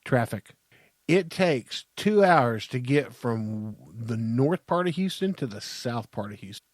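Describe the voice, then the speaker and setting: A man's voice: mid-range voice, animated, measured pace, no room sound, studio quality. A man in his fifties with an American accent, bantering casually and crudely as a podcast co-host, with emphatic delivery. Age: 50s.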